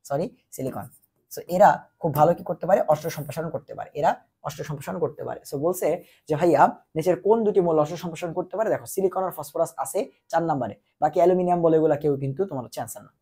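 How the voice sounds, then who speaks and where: Feverish tutor, husky voice. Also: male voice, a little high, racing, mellow. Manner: repetitive call-and-answer teaching, quizzing the listener. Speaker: chemistry tutor. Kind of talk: exam-prep lecture.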